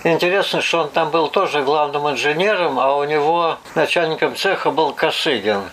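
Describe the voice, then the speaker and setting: An older man from Russia recalling his early life for an oral history interview, unhurried and pausing often to gather his thoughts. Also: fairly high pitch, a bit bright, a little hiss or hum, low-quality recording. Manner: unhurried recollection with hesitations and "вот" asides.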